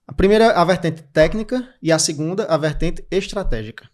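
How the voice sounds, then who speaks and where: Fast-talking Brazilian man, energetic. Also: on the high side. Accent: Brazilian Portuguese. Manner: energetic, lists points in quick clipped phrases. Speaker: podcast guest. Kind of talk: didactic interview talk.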